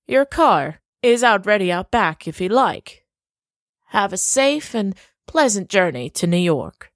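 A woman acts out a polite, coolly menacing gentlewoman in an audio drama. She speaks very deliberately in a close, dry sound, with a lively melodic range and a threat held under her courtesy. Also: medium pitch, dry recording. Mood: veiled menace. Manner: slow, polite, measured, veiled threat. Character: genteel, coolly menacing woman, a veiled witch.

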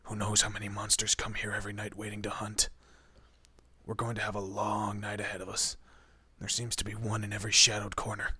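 A man plays a male monster detective in a horror audio roleplay. His voice is low and husky with a bright, forward edge. He talks casually, needling his human partner while looking out for them. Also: monotone, fairly quick, no echo, exaggerated voice. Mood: intrigued, dry. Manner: casual, teasing, muttered asides. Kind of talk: horror roleplay audio drama, addressing the listener.

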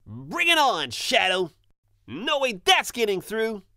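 Someone voicing a bright, cocky young hedgehog hero. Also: mid-range voice, takes it slowly, dry recording, studio quality, exaggerated voice. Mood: confident. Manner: brash, breezy, energetic catchphrase delivery. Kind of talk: video game character voice demo.

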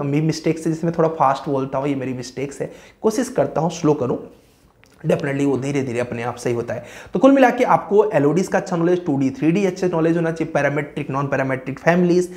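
A man's voice: high voice, a little mellow. A male civil engineering educator talks students through career advice in a loose, conversational way. He piles up item after item and keeps checking in with "okay." His speech is sprinkled with English technical terms. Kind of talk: informal career-advice lesson.

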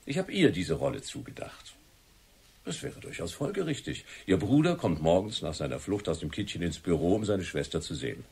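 A confident crime writer in a radio drama. The voice is low and husky, with lively swings of pitch. He sets out his theories in a deliberate, theatrical way. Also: heavily acted. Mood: musing, dramatic. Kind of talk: German radio play acting.

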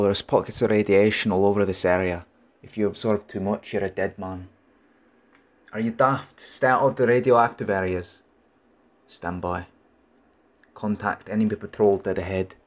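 A man voicing a gruff, seasoned military sniper captain from a video game, terse and commanding. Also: on the low side, steady tone, moderate pace, lightly acted. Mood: commanding, tense. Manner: terse, commanding, dry-humoured. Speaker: amateur voice actor. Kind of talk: video game voice acting demo.

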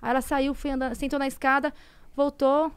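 Brazilian woman, 30s, podcast guest; raised pitch, clean voice, very dry close sound, conversational, slips into hushed tones. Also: flat delivery, fairly quick, dry recording. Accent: Brazilian Portuguese. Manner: conversational, often trailing into soft, hushed tones and frequent tag questions. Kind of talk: emotional personal storytelling.

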